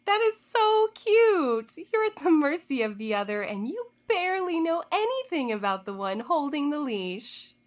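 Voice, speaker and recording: Audio drama role: sly, condescending woman played by an actress, high-voiced and very animated, toying with her questioners. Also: moderate pace, hardly any pauses. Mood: smug, taunting. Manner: teasing, condescending, theatrical drawl. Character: sly, smug woman informant, coolly taunting her interrogators.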